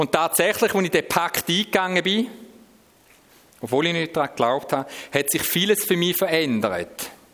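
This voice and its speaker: Speaking with a Swiss accent, a man uses a high pitch, an animated tone and lively intonation at a moderate pace, broken by long, frequent pauses. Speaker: former drug addict giving testimony. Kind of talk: testimony talk to church audience. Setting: stage with audience.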